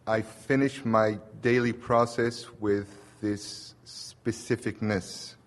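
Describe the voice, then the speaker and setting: A man's voice: lowish voice, fairly even intonation, slow. A man from Lebanon, an audience member talking with a speaker on stage, earnest and hesitant. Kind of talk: conversation with a speaker.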